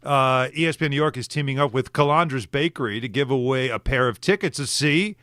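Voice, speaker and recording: A man co-hosting a sports radio show in a studio, teasing his partner in an animated way and then reading a sponsor spot. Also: mid-range voice, a little fast, dry recording. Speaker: radio co-host. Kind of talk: casual sports radio banter. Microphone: studio microphone.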